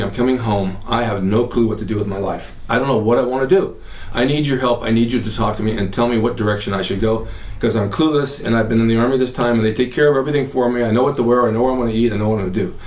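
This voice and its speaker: Fast-talking older man, roomy distant sound. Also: on the low side. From California, US. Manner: rambling storyteller, quick and chatty. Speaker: podcast host. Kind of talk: casual interview chat. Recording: roomy echo, mic at a distance.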